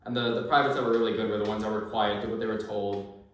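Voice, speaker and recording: A man's voice: on the low side, little pitch movement, quick pace. An American man, a former army sniper, chatting as a podcast guest, swearing freely and acting out old conversations as he tells stories. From United States. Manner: profane, storytelling, acts out quoted exchanges. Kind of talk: casual chat. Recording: very echoey room, far from the mic.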